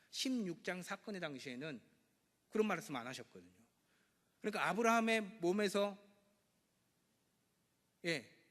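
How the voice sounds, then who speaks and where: A male pastor preaching a sermon, acting out the dialogue of his scripture passage with sudden loud bursts. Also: fairly high pitch. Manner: lively preaching, acts out God and Abraham with sudden loud bursts. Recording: church hall with long reverb.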